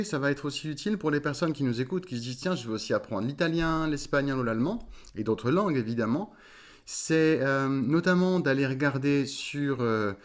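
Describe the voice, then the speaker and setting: A man, a voice coach, explaining in an interview and often pausing to search for words. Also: mid-range voice. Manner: thoughtful, searching for words with many fillers. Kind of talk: interview conversation.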